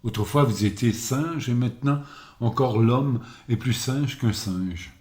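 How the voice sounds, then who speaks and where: A man voicing a solitary male prophet who preaches to a crowd, declaiming slowly. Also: mid-range voice, darkish tone, lightly acted. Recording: roomy echo.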